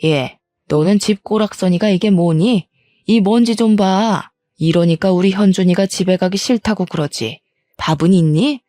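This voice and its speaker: A woman voicing a sharp-tongued older mother-in-law who nags and scolds with contempt. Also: medium pitch, normal speed, no echo, studio quality, natural voice. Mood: scolding. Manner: nagging, scornful scolding.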